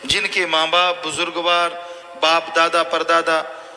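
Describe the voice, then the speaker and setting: Male preacher, high voice, repeats warnings, asks rhetorical questions, long echo. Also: completely flat delivery, unhurried, bright, forceful tone. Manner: admonishing, repetitive, rhetorical questions. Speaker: spiritual preacher. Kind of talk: live sermon to devotees. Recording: long hall reverb, faint noise.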